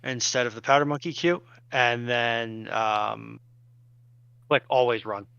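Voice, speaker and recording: A man's voice: mid-range voice, fairly even intonation, a little slow, creaky, fairly bright tone, clean tone, no echo. A man giving casual step-by-step technical instructions, phrasing them politely and a bit hesitantly, on a slightly lo-fi mic. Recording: dry, slightly dull lo-fi mic.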